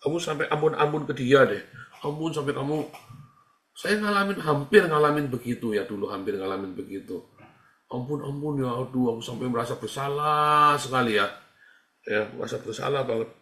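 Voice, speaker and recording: Bright-voiced pastor in an echoey room. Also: male voice, mid-range voice, fairly quick. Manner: conversational, repeats phrases, acts out quoted dialogue. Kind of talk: casual teaching talk. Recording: roomy echo.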